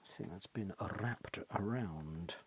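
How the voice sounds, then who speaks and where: Slow and deep with a breathy edge, this British man muses at his workbench, thinking aloud and dropping in tag questions. He's an electronics technician and repair channel host giving casual hands-on commentary inside a small, cluttered electronics workshop.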